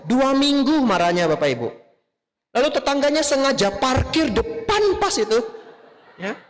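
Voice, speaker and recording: A Buddhist monk, a man, preaches to his listeners with a lively, swooping voice, keeps turning to them with questions and addressing them directly. His talk rings out with the long reverb of a large hall. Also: extremely high pitch, normal speed, faint music behind. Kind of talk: sermon to a live audience.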